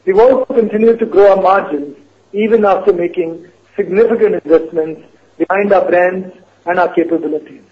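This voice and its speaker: A man making formal, deliberate remarks with some hesitations as a senior executive on an earnings call. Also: high voice. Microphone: conference call line. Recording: dull lo-fi conference call audio.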